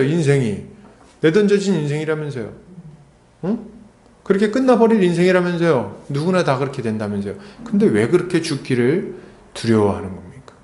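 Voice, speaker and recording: A pastor delivers an expository sermon in a church sanctuary, speaking conversationally and putting rhetorical questions to the congregation. His voice is on the high side with a darkish tone, and the recording carries the echo of the church hall.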